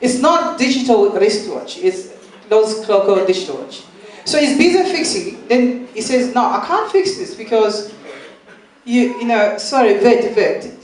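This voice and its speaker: A young man from Malawi doing a halting, rambling stand-up set, laughing at his own jokes, recorded at a live venue. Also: high voice, lively intonation. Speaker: stand-up comedian. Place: live comedy venue with audience. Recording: echoey room, far from mic, crowd noise.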